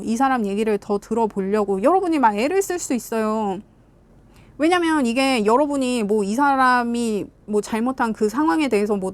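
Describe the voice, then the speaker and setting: A woman with a fairly high voice giving a casual tarot reading. She speaks in a chatty, emphatic way and keeps turning to her viewers. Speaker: tarot reader.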